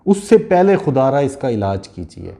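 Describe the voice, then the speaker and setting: A man speaks in a dark, mellow tone at a middle pitch. He lectures with conviction, hammering his listener with pointed rhetorical questions. His delivery is that of a fervent commentary host. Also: sing-song, vocal fry. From Pakistan. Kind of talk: impassioned political commentary.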